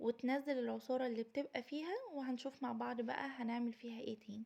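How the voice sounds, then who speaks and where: This woman talks in a high voice, keeping her intonation fairly even. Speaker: cooking channel host. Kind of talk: cooking tutorial. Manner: casual, chatty with frequent fillers.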